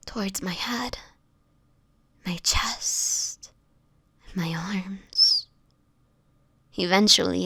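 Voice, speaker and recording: A woman playing a sickly, gentle homeless woman turning vampire in an intimate audio roleplay, with a whispery, hesitant delivery. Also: medium pitch, dry recording, exaggerated voice. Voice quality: breathy, whispery. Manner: halting, hesitant, fragile delivery.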